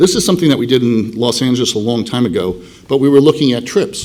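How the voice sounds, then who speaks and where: The speech is very fast with lively intonation and an American accent. Room echo is audible. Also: man. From United States. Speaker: transport industry advisor, conference speaker. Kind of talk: conference presentation.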